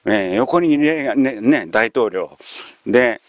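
Brief: male history lecturer, very lively pitch, close dry sound, storytelling delivery. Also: slow pace, dry recording. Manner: animated, acts out quotes.

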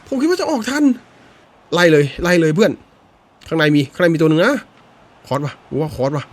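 A man giving casual, excitable commentary while playing a football video game, swinging between low mutters and high yelps and swearing at the game. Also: a little fast. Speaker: gaming YouTuber.

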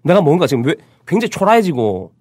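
Animated man with a Busan accent. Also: on the high side, quick pace, dry recording, studio quality. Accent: Busan Gyeongsang dialect. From Busan, South Korea. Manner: animated storyteller, mimics others' voices. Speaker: show host. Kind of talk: casual talk-show chat.

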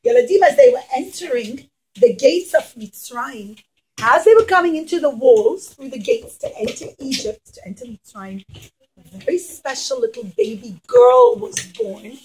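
A woman's voice: high voice, big pitch swings, moderate pace, a little mellow, a little hiss or hum, rough recording. A middle-aged woman teacher telling a story to young children in simple, emphatic, repetitive phrases. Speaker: preschool teacher. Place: indoors in a classroom.

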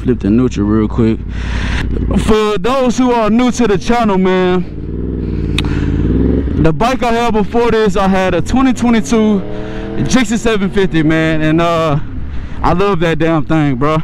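A man talks to his viewers from a motorcycle, laid-back and slangy, closing his lines with "man" or "bro". His voice sits a little high. A helmet camera picks him up outdoors over a faint hum of road and traffic noise. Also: animated, measured pace, pauses often. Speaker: motovlogger. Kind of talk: casual motovlog talk to viewers. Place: riding a motorcycle outdoors on city streets.

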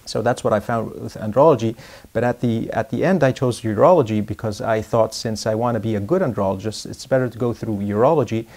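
A man in his forties who grew up in Egypt, a urologist answering interview questions in a measured, thoughtful way, often restarting his sentences. He speaks in a quiet room with curtains, on a lapel mic. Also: on the low side. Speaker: urologist guest. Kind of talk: interview conversation.

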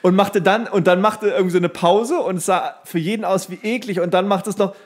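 A man's voice: high voice, fairly even intonation, a little fast. A man co-hosting a podcast, telling humorous stories in casual chat and acting out the dialogue as he goes. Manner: acts out dialogue within his stories. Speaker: podcast co-host and actor telling casting stories.

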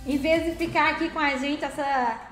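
A woman's voice: high-pitched, fairly even intonation, moderate pace, fairly bright tone, roomy sound, faint music behind. A woman hosting a casual live stream while playing a game, chatty and thanking viewers by name.

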